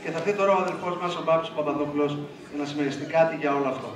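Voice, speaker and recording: A man acting as emcee at a church dinner, formally thanking guests and introducing the next speaker. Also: a little high. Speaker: event emcee. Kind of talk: emcee announcements. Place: hall at a church dinner gathering. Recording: echoey hall from far off with a crowd.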